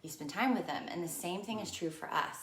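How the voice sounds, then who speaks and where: Low-voiced woman co-host, echoey room. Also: brisk. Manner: soft, reflective and encouraging. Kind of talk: casual chat.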